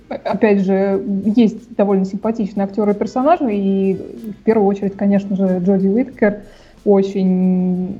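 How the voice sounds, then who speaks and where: A woman's voice: mid-range voice, dark tone, husky, highs cut off. A woman co-hosting a podcast, giving her hesitant, casual opinions on TV shows. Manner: hesitant, many restarts and fillers. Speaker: podcast co-host. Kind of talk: casual TV review chat.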